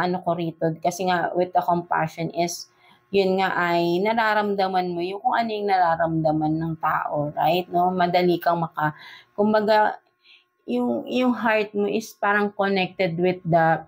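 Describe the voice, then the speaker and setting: A woman with a Filipino accent giving a casual tarot reading in Taglish, chatty and full of fillers, often tagging her sentences with "no?" and "right?". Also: fairly low pitch. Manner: chatty, slow, filler-heavy Taglish with frequent "no?" and "right?" tags. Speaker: tarot reader.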